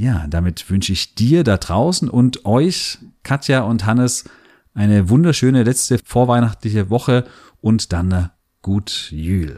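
A man speaks at a very slow pace with a dark, mellow tone, medium pitch and lively intonation. The recording is very clean and dry, close with no echo, over a silent background. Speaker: podcast host. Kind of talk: interview.

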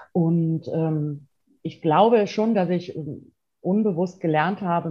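A woman's somewhat breathy, fairly low voice with ordinary pitch variation. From Rhineland, western Germany. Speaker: life and job coach, author. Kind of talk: interview. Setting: video call.

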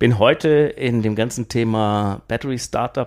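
In an ordinary speaking voice, a man talks at a medium pitch with ordinary pitch variation on a very clean recording with a silent background. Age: 40s. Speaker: automotive engineer and manager. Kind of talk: interview.

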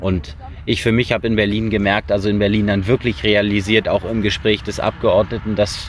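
With noticeable background noise, a man of fairly low pitch talks at a moderate pace with fairly even intonation. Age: young. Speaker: youth parliament member. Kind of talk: casual group interview.

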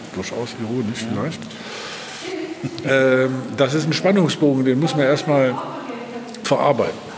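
A man at a very slow pace, medium pitch and ordinary pitch variation, with audible room echo and noticeable background noise. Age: 70s. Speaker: theatre audience member. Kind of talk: conversation recorded on location. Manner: halting, repeating words.

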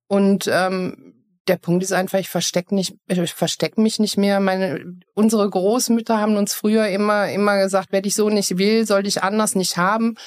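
At a moderate pace, a woman talks in a monotone, flat intonation at medium pitch, her loudness very even. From Belgium, Eupen (German-speaking community). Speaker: former music and fashion industry manager. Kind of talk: casual interview.

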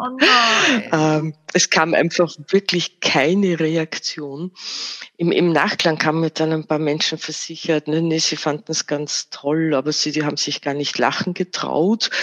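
This woman's voice is very deep and low in pitch, with ordinary pitch variation. She speaks at a fairly slow pace. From Austria. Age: 50s. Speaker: slam poet and cabaret artist. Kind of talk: podcast interview. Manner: halting, frequent word repetitions.

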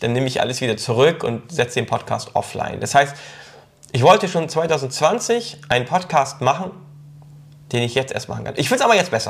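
Noticeable background noise runs behind this clip. A man speaks at a fairly quick pace with a medium pitch. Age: 30s. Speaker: influencer, podcast host. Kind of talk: casual chat. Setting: studio sofa.

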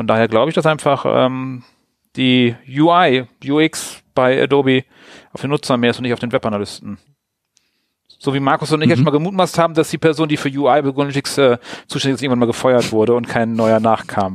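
A man at a fairly quick pace, with long, frequent pauses. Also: medium pitch for a man, ordinary pitch variation. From Wilhelmshaven, northern Germany. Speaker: podcast host. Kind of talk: casual chat.

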